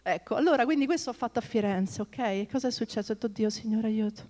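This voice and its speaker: Woman preaching, chatty, reads scripture, keeps asking the crowd, fairly high voice, long hall echo. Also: animated, racing, darkish tone. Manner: conversational preaching, reads scripture aloud, checks in with the audience. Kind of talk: sermon.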